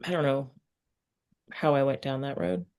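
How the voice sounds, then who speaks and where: Low-pitched woman, casual and searching. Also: lively intonation, moderate pace, a little mellow. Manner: hesitant, searching for words, earnest. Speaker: podcast interviewer. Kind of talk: casual, personal conversation.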